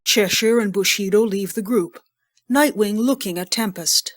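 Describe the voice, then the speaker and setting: Medium-pitched woman narrator. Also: normal speed. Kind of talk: scripted audio drama narration.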